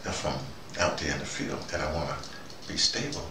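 A middle-aged man in a casual, rambling show-and-tell, talking to camera in a folksy, colloquial way and often pausing mid-thought. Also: very deep voice. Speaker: vlogger. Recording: echoey, distant mic, loud background noise.

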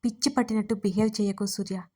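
A woman's voice: medium pitch, steady tone, fast talker, darkish tone, lightly acted. A woman voicing a young married woman who is upset and defiant, protesting sharply in an audio story.

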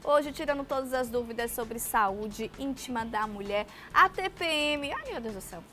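A woman's voice: on the high side, lively intonation, normal speed, bright, forceful tone. A young woman with a Brazilian Portuguese accent hosting a live TV health segment, reading viewer questions and joking with her guest on a studio set. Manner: chatty, playful, laughs and jokes with guest. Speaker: TV show host. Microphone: handheld mic.

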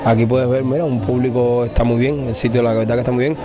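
Brief: enthusiastic Cuban musician, mid pitch, band playing behind. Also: male voice, fairly even intonation, fast talker, music in the background. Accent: Cuban Spanish. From Cuba, Havana. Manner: enthusiastic, talkative, repeats himself. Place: music venue.

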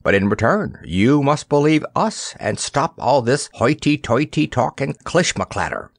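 A man's voice: mid-range voice, very animated, a little slow, vocal fry, breathy edge, dry recording, voice pushed up, exaggerated voice. A man voicing a jolly, stout ship's cook who is also a king, chatty and coaxing, in a storybook reading.

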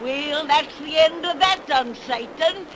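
An actress playing a gloating old witch storyteller in 1930s radio drama style. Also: high voice. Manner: gloating, drawn-out. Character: cackling old witch storyteller with her cat. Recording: very noisy 1930s radio broadcast recording.

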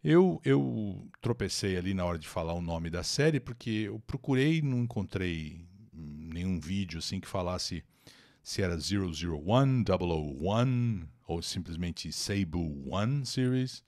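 Man from Brazil, English teacher, live-stream lesson, fairly low pitch, animated delivery, explains words, greets viewers. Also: normal speed. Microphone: new microphone.

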